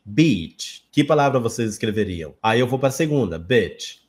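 Brazilian male English teacher, casual explainer, middle pitch. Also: lively intonation, darkish tone. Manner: explanatory, repeats example words slowly. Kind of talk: casual video lesson.

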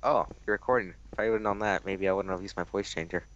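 A man's voice: low voice, fast talker, fairly bright tone, lo-fi sound. A man talking through a voice changer in casual chat while playing a game over online voice chat. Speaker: gamer.

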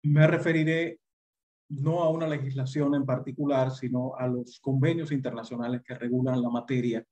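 A middle-aged man giving a measured, formal webinar presentation over a video call. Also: mid-range voice, level tone, warm tone. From Dominican Republic. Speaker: guest lecturer, lawyer. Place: indoor room on a video call. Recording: dull video-call audio.

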